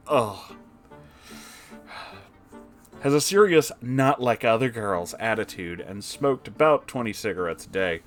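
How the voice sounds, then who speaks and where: Guy w a lowish voice reading a post out loud, groans at the gross bits, faint music under. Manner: breaks off with disgusted reactions. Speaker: story reader. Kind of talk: reading an online post aloud with comments.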